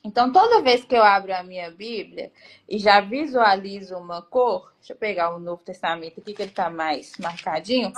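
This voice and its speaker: A woman's voice: mid-range voice, fairly quick. A Brazilian woman in a casual Christian chat, explaining patiently and chiming in with short affirmations. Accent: Brazilian Portuguese.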